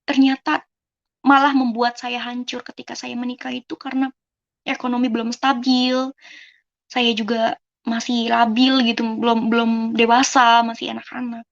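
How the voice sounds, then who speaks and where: A woman's voice: fairly high pitch, flat delivery, moderate pace, gravelly. A woman in her twenties from Indonesia, telling her own life story to an audience in a casual, conversational way and often turning to the listeners. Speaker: person giving a testimony. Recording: dull lo-fi recording.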